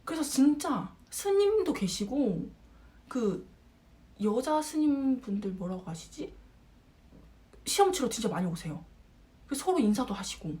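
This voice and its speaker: A woman's voice: high-pitched, a little slow, pauses often. Chatty young woman telling a story. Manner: animated, acts out quoted dialogue, frequent laughter. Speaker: vlogger. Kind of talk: casual storytelling vlog.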